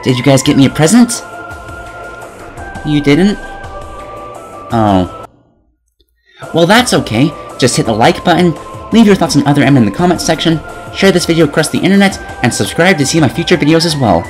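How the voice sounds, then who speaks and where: A man's voice: fairly high pitch, very animated, normal speed, pauses often, faint music behind. A twenty-year-old man narrating a scripted video game review in a sarcastic, opinionated way. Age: 20 years old.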